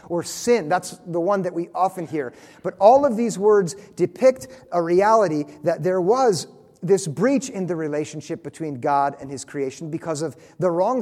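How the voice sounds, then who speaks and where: A man preaching a sermon, earnest and emphatic, slowing down to stress key phrases. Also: sits high, a little mellow. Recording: long reverb of a large hall.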